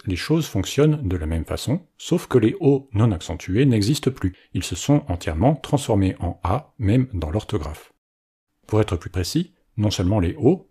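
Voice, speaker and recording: A man with a very low, husky voice narrates a scripted language lesson. His pitch moves lively up and down while the tone stays mellow and dark, in a clear, explanatory teaching manner.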